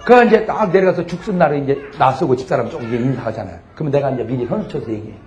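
A middle-aged man preaching a humorous revival sermon to a congregation, lively and joking, swinging from loud shouts to soft asides. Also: mid-range voice, racing, a crowd in the background. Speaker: pastor. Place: church sanctuary before a congregation.

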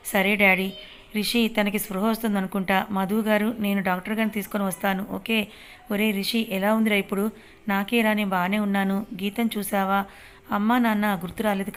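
A woman reading a family drama story aloud, voicing every character's lines in her own voice. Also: mid-range voice.

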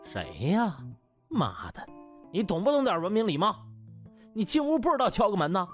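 A male narrator plays a cocky young hospital intern in a comic audiobook drama. He is brash and glib, with hugely animated intonation, over faint music. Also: high-pitched, normal speed, pitched above the performer's own voice. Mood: irritated.

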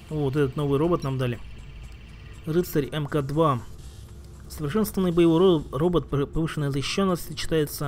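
A man's voice: on the high side, a little mellow, slight background noise. A man giving casual gameplay commentary as a streamer, thinking aloud and muttering asides while he plays. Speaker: game streamer.

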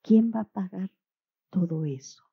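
A woman's voice: medium pitch, measured pace, creaky, husky, heavily acted. A woman voicing a wise talking tree with a cavernous voice, read out in a children's story. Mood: wondering. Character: wise talking tree who questions paying. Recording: dull lo-fi recording.

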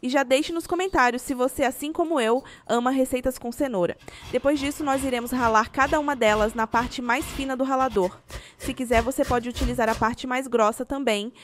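A woman's voice: high-pitched, brisk, slight background noise. A woman with a Brazilian Portuguese accent, reading a scripted recipe voice-over as host.

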